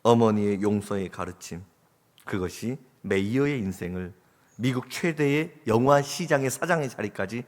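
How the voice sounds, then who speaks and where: A male pastor preaching a sermon, dramatic and swinging from hushed to loud. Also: on the low side, animated, moderate pace. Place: church sanctuary. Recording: long church hall reverb.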